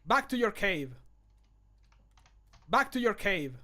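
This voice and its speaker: A man's voice: high voice, sing-song, takes it slowly, pushed and bright, voice pushed up, exaggerated voice. A man voicing a scared adventurer pleading in short theatrical lines for a game mod. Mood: dramatic.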